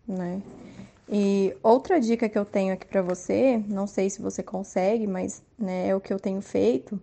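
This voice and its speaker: Woman, thirties, Brazilian Portuguese accent, mellow tone, soft-spoken, unhurried, mid pitch, parenting testimony. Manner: soft-spoken, unhurried, frequent tag questions. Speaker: mother sharing parenting tips. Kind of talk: calm personal testimony.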